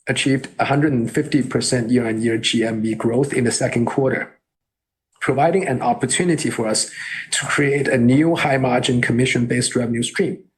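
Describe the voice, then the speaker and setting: A man reading a scripted earnings call presentation as a company executive, in a formal and measured way. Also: medium pitch, low-quality recording.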